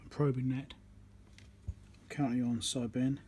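Brief: man, mid-pitched, repair-bench commentator talking to himself, faint hum behind. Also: little pitch movement, moderate pace, mellow. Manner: muttering, thinking aloud while working. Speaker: electronics repair presenter. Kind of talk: casual workbench commentary. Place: electronics workbench indoors.

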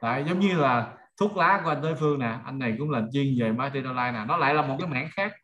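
A man's voice: mid-range voice, animated, quick pace, fairly bright tone, highs cut off. A middle-aged man with a Southern Vietnamese accent teaching informally on a video call, using everyday examples and often checking that listeners follow. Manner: conversational, checks listeners follow with rhetorical questions. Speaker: online marketing trainer.

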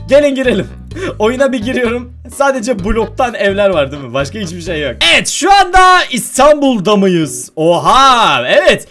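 A young man narrating his gameplay in a very high voice that leaps all over the place. He is playful and laughs easily, with faint game music running underneath. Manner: playful, shouts and laughs when startled. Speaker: gaming video creator. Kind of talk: excited gameplay commentary.

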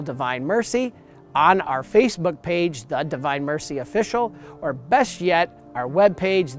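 A priest in his forties speaks straight to the camera outdoors on church steps, earnest and emphatic in a slightly high man's voice. His words come through a clip mic with faint music underneath. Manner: earnest, emphatic preaching with hand gestures. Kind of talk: promotional sermon to camera.

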